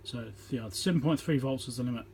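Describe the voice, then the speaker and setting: A man's voice: mid-range voice, fast, dark tone, a little hiss or hum, rough recording. A man giving an informal, matter-of-fact hands-on repair tutorial, thinking aloud as he works, recorded on a phone on a tripod. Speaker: electronics repairer demonstrating.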